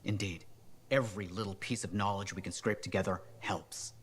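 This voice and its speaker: An actor playing an earnest, bookish scholar of ancient lore in a video game, speaking articulately and expressively. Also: male voice, deep voice, fairly even intonation, normal speed, slight background noise, lightly acted. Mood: earnest, intrigued. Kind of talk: video game character dialogue.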